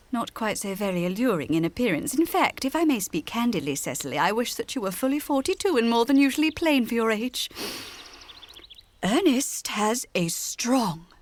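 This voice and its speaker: A woman's voice: on the high side, lightly acted. A woman playing a prim, arch young society lady with an upper-class English accent in a radio comedy monologue. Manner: prim, arch, over-enunciated. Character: haughty, mannered young English society lady, politely catty.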